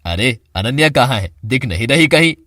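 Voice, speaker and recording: A woman lowering her voice to play a kind, caring middle-aged father in an animated story. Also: normal speed, dry recording, studio quality, full character voice. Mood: fatherly. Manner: gentle, fatherly.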